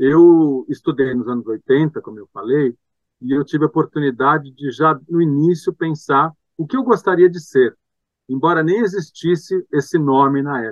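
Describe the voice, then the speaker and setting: The loudness swings widely while the pitch varies in an ordinary way. The pace is moderate. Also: man, fairly high pitch for a man. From southern Brazil, Porto Alegre. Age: 50s. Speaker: lawyer. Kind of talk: casual interview.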